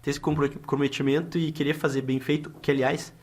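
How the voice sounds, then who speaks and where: A man's voice: fairly high pitch, little pitch movement, quick pace. A middle-aged man with a Brazilian accent, a lawyer hosting a casual podcast interview, talking chattily with lots of filler tags and restarts.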